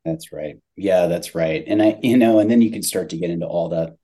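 A man's voice: sits low, brisk, dark tone. A man talking business as a guest in a conversational interview, stressing points by repeating phrases. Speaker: podcast guest, tech company CEO.

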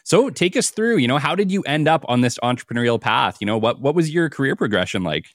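With big pitch swings and a quick pace, this man's medium, fairly bright voice comes through in a studio-quality recording with no room sound. He hosts a business podcast, first reading a scripted guest intro, then chatting with upbeat enthusiasm.

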